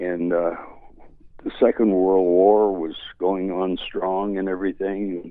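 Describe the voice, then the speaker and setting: A man talks with an American accent. His pitch is very deep and low. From Cleveland, Ohio. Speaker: retired columnist. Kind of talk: interview. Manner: halting.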